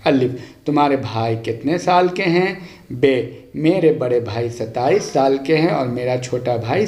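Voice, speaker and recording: Slow-paced man teaching, echoey room. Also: medium pitch, darkish tone. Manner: deliberate, instructive, enunciating line by line. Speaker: language teacher. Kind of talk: lesson, reading practice sentences aloud for learners.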